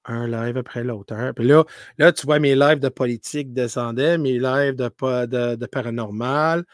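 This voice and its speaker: A man who grew up speaking English, talking in as a paranormal streamer in a casual interview, telling animated stories full of restarts and English words. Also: mid-range voice, normal speed, no room sound, clean studio sound. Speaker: paranormal live streamer, guest.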